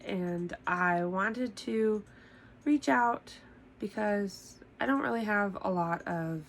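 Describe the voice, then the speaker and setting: Talking slowly in a mid-range voice, a congested, somewhat nasal woman from the United States chats with the camera in her home craft room. She hosts a podcast, laughs a lot, and leans on ums. A little hiss or hum runs under the audio.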